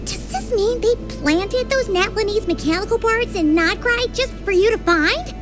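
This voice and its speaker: Squeaky little game sidekick, super high, excitable kid-like, music behind. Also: female voice, normal speed. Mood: shocked. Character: tiny squeaky inquisitive companion, startled and excitable. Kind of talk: video game voice acting.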